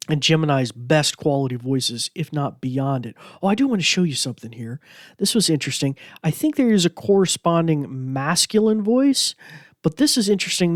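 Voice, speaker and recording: A man's voice: on the high side, dry recording, clean studio sound. A man hosting a podcast, chatting casually and rambling with lots of fillers as he demos a gadget. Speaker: podcast host. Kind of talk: casual tech demo chat.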